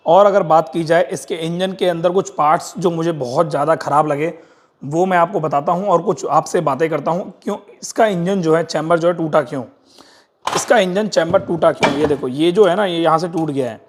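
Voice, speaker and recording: Fast-talking, high-voiced mechanic man. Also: a little hiss or hum. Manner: quick, informal, repeats points while pointing things out. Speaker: motorcycle mechanic and channel host. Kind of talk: casual workshop walkthrough. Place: motorcycle workshop.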